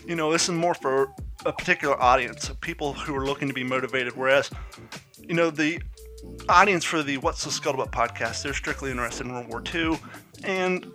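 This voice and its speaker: A man's voice: a little high, sharp tone. Congested man chatting on his podcast. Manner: chatty, self-deprecating storytelling. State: congested head cold. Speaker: podcast host. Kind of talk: casual solo podcast monologue. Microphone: podcast mic.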